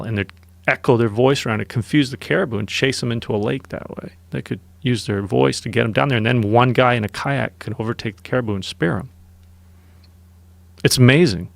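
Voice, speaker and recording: Man, gravelly voice, dry studio sound, casual storyteller, podcast guest. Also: medium pitch, fairly quick, no echo. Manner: animated, recounts outdoor hunting experiences.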